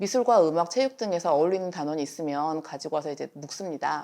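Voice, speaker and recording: A woman's dark, mellow voice with lively intonation against a quiet background. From Jeolla, Korea (Jeonju). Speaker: elementary school teacher. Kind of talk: interview about teaching.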